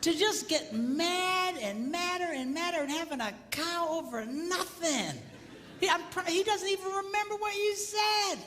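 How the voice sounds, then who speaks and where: A man's voice: very high voice, unhurried. A man preaching a humorous sermon, telling stories animatedly and acting out the voices of the people in them. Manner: animated, acts out quoted voices. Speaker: pastor. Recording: long hall reverb, faint noise.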